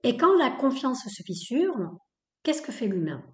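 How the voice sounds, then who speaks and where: A woman's voice: high voice, very animated, a little slow, darkish tone, roomy sound. A woman hosting a spoken podcast episode, talking in a blunt, opinionated way, with many fillers and repeated phrases. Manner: emphatic, repetitive, with many fillers. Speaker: podcast host.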